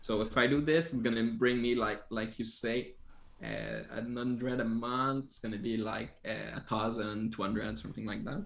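French-accented guy chatting as a podcast guest, hesitant, keeps restarting, laughs a lot, normal mid pitch. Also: steady tone, normal speed, gravelly, fairly bright tone. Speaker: podcast guest, app founder. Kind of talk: casual conversation.

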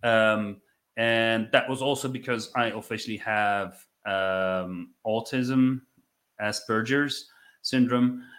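A man in his thirties from the Netherlands with a Dutch accent, telling his story conversationally as a podcast guest, in a reflective way with halting phrasing and repeated words. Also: on the low side, fairly even intonation, fairly bright tone. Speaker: podcast guest, business owner.

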